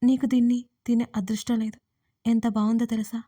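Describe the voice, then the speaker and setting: Casual: playful young heroine teasing her guy, woman reading it, highish mellow voice. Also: level tone, brisk, natural voice.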